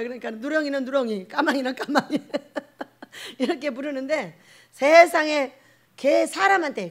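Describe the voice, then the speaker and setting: A woman pastor delivering a lively Sunday sermon, swinging between loud exclamations and hushed asides, often laughing as she tells stories. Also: high-pitched.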